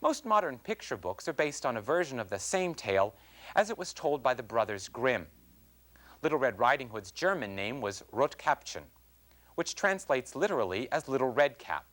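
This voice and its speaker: A man's voice: medium pitch, big pitch swings, moderate pace, fairly bright tone. Guy hosting an educational tv show, reads a script, very articulate, voice goes up and down a lot. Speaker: host and presenter of an educational TV program. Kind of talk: scripted narration, educational lecture.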